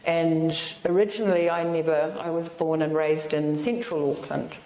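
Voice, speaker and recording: A woman with a New Zealand accent answers interview questions in an earnest, friendly way, pausing with frequent fillers. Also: low-pitched, flat delivery, warm tone, roomy sound, slight background noise, poor audio. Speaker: institute representative.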